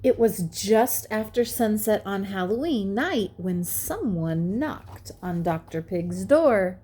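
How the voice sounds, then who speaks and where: A woman reading a children's picture book aloud expressively, with deliberate, dramatic pauses. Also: mid-range voice, lively intonation, mellow, slight background noise. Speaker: storyteller.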